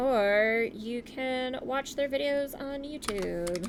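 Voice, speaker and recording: A woman with an American accent talks at a very slow pace in a high pitch with ordinary pitch variation. Noticeable background noise is present. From Canada, Windsor, Ontario. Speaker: streamer. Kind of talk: casual chat.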